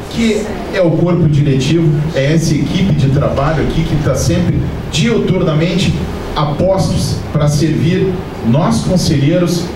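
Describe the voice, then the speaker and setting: A middle-aged man, from Rio Grande do Sul, giving an effusive formal speech to a meeting with a handheld mic. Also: a little high. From Rio Grande do Sul, Brazil. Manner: effusive, ceremonious thanks. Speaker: council member addressing a meeting. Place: conference room, indoors. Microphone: handheld mic, far camera. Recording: echoey room from far off, with room noise.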